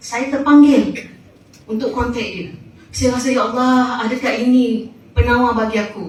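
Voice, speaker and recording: A woman's high voice with fairly even intonation at a fairly slow pace, amid noticeable background noise and audible room echo. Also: big swings in loudness. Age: 60s. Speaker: cancer patient giving testimonial. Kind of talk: testimony.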